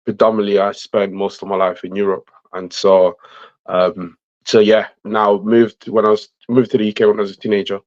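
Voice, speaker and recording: Low-pitched man, slightly dull audio. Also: darkish tone, no echo. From Italy, born and raised. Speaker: interview guest, vice president of a community organisation. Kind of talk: casual conversational interview.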